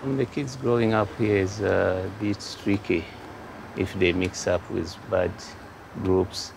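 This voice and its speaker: A middle-aged man from Uganda, a father interviewed in his small shop, answering in slow, halting phrases. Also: low-pitched, fairly even intonation, gravelly, noisy background. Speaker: parent. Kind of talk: documentary interview.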